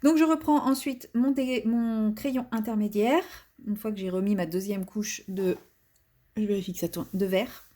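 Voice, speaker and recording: A woman's voice: mid-range voice, normal speed, dark tone. Chatty woman narrating her coloring. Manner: chatty, self-mocking, rambling with fillers and restarts. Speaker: coloring channel host. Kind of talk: casual color-along commentary.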